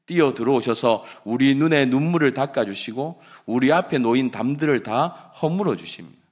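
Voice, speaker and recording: A male pastor preaching a sermon, dramatic and swinging from loud emphasis to hushed words. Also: medium pitch, expressive, moderate pace.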